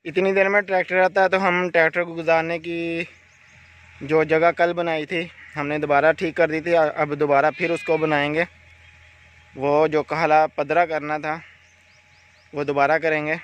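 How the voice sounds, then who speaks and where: A young man calmly explaining farm work to viewers in a casual vlog, recorded outdoors in an open field on a handheld phone. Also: a little high, a little slow. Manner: calm, explanatory, pointing things out to the viewer. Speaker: vlogger.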